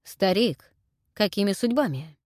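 A woman reading an audiobook voices a composed young man who speaks with dry, teasing calm. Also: medium pitch, a little slow, no echo. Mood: wry.

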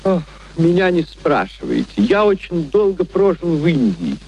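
Older military gentleman, mild, courteous, fairly high lively voice, radio play, faint noise. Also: low-quality recording. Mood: bemused. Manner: courteous, measured. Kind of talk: theatrical radio play acting and narration.

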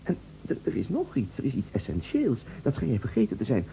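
Casting: cornered lover, hesitant and stammering, lively pitch, gravelly edge, old radio play. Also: male voice, brisk. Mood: uneasy, placating. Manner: stammering, hesitant, repeating words. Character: flustered, defensive lover caught in a love triangle. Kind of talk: Dutch radio drama acting. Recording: dull lo-fi radio recording, faint hum.

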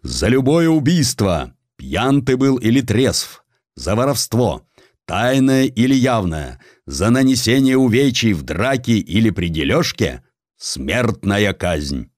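A man playing a burly, domineering Russian adventurer who harangues a crowd in a forceful, commanding way, in an audiobook story. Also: fairly low pitch, sing-song, slow, no room sound, clean studio sound, voice pushed up, exaggerated voice. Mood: grave, decreeing.

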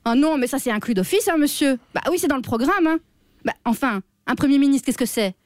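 A woman playing a chatty job-center clerk who talks to an unheard caller, slightly hoarse and full of fillers. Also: high-pitched, animated, fairly quick, dry recording, studio quality. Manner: gossipy, talks to an unheard caller, constant "hein". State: a little hoarse. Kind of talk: comedy sketch on radio.

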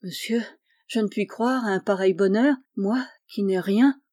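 A woman's voice: mid-range voice, measured pace, mellow, no echo, clean studio sound, close to an everyday voice. A woman voicing a timid, humble young waiter. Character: poor humble young male café waiter.

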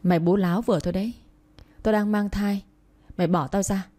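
A woman's voice: medium pitch, steady tone, warm tone, natural voice. A woman voicing an arrogant pregnant stepmother who scolds a child and complains to her husband. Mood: scolding. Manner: scolding, rapid, contemptuous.

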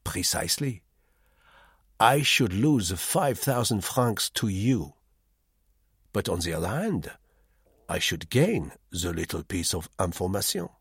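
A man reading the part of a sly, menacing foreign man who feigns politeness, in a slow, silky, insinuating way. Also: sits low, big pitch swings, creaky, husky, dry recording, studio quality, full character voice.

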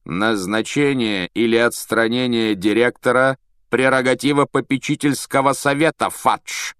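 A man's voice: medium pitch, steady tone, normal speed, a bit bright, clear, resonant tone, dry recording, clean studio sound, pitched above the performer's own voice, lightly acted. A man voicing a haughty, contemptuous aristocratic man with a sneering, theatrical drawl.

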